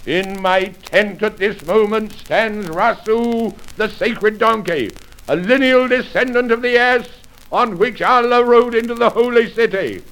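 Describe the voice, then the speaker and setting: An actor playing a proud, stern, cunning Arab chieftain with pompous, formal diction in a 1940s radio drama. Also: male voice, high-pitched, measured pace, a bit bright. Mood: commanding. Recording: noisy old radio recording with clicks.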